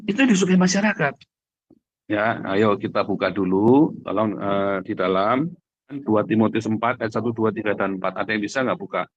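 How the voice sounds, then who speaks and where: A man preaching in a conversational, emphatic way, repeating phrases for emphasis and addressing listeners directly, with a husky voice. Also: on the low side, expressive, normal speed, no echo, highs cut off. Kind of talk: livestream sermon, conversational and emphatic.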